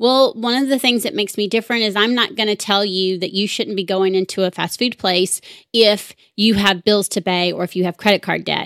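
Recorded very cleanly against a silent background, a woman speaks at a medium pitch in a dry, close sound with no echo. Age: 50s. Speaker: podcast host and wealth coach. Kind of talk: solo podcast monologue. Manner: animated.

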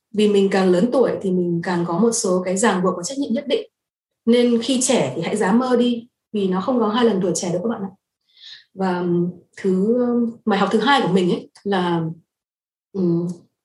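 Pausing often and at length, a woman speaks at a moderate pace and medium pitch. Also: ordinary pitch variation. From Vietnam. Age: 30s. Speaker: podcast guest, MBA graduate and aspiring singer. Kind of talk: casual chat. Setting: at home on a sofa.

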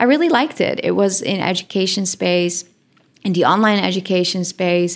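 A woman with a Dutch accent speaks with ordinary pitch variation. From Netherlands. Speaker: podcast host. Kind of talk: solo podcast monologue. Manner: casual, filler-heavy.

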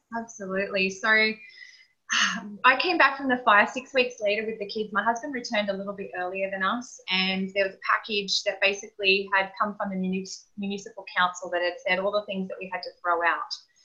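In an Australian accent, a woman speaks at a medium pitch with fairly even intonation and hardly any pauses. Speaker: makeup artist and wellness entrepreneur. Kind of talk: interview. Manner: hesitant with fillers.

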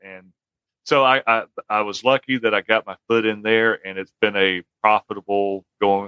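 A man's ordinary speaking voice, fairly low in pitch, at a moderate pace with fairly even intonation and big swings in loudness. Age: 50s. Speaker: podcast host and firearms trainer. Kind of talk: casual interview.

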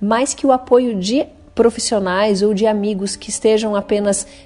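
A woman has an unremarkable speaking voice, fairly high in pitch, with ordinary pitch variation. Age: 40s. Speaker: naturopath and university lecturer. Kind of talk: interview.

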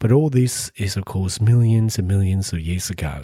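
A man speaks in a very deep, low pitch with a dark, mellow tone that is somewhat breathy, using ordinary pitch variation. His pace is fairly quick, and the recording is very clean with a silent background. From Scandinavia. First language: a Scandinavian language. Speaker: history podcaster. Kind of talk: history storytelling monologue.

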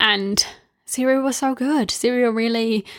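A woman with a New Zealand accent and a fairly high pitch is heard on a very clean recording with a silent background. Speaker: podcast host. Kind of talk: casual Q&A monologue; solo true-crime narration. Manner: casual with fillers.

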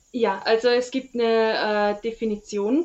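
Very slow speech from a woman at a fairly high pitch, with noticeable background noise. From Austria, rural mountain village. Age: 20s. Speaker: author. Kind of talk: interview.

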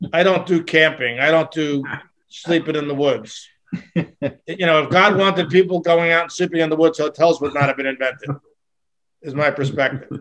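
Male voice, an unremarkable speaking voice with an American accent and fairly even intonation. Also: fairly high pitch for a man, moderate pace. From New York City, Brooklyn. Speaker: law and education professor. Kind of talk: interview conversation. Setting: video call.

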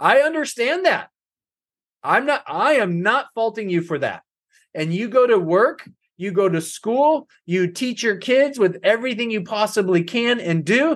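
A man with an extremely high pitch and lively intonation, at a fairly slow pace against a quiet background. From California. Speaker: podcast host. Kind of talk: reading an article aloud with personal commentary; angry rant. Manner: heated, emphatic, indignant; conversational, informal, with filler words.

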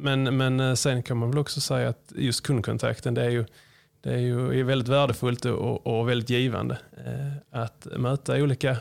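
A man with a normal speaking voice talks at a moderate pace, with medium pitch and ordinary pitch variation. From southern Sweden, Skåne (near Ystad). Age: 30s. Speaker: agricultural advisor. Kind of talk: casual interview. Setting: in an office.

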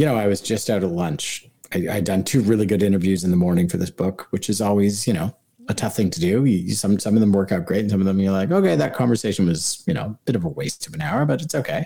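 Talking at a very fast pace, a man with a Canadian accent uses a fairly low, dark, mellow voice and lively intonation. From Canada, Toronto. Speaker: journalist and author. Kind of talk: casual interview.

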